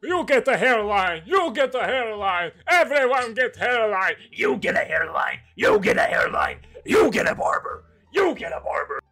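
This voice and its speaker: A man voicing an excitable, naive foreigner in broken English with mangled grammar, in a prank comedy chat. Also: sits high, normal speed, gravelly, few pauses, full character voice. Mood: loud, excited. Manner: mangled grammar, misheard words, mock-bewildered.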